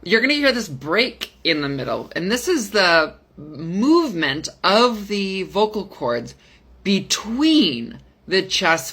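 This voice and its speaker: Slow, low-pitched woman voice coach. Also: pushed and bright. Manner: casual, demonstrative, jumps between falsetto and chest voice. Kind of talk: explaining vocal technique simply with sung examples.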